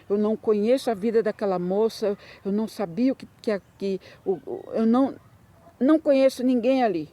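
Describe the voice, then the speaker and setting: A woman's voice: medium pitch, normal speed, mellow. A woman with a Brazilian Portuguese accent giving a Christian testimony, telling her story in an emotional, repetitive way that rises into fervent bursts.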